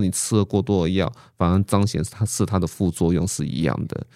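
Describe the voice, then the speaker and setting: A man with a Taiwanese accent speaks in a very deep, low pitch with a dark, mellow tone. The recording is very clean with a silent background and a dry, close sound with no echo. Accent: Taiwanese Mandarin. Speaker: physician in geriatric and palliative care. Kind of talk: interview. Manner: frequent filler particles, casual.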